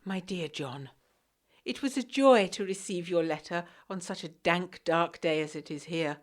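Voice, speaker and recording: A woman's voice: lowish voice, a little slow, close to an everyday voice. An actress playing a genteel, frail young Englishwoman of the 1920s, reading her letter aloud in a formal, earnest, articulate manner for a gothic period audio drama. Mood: tender concern.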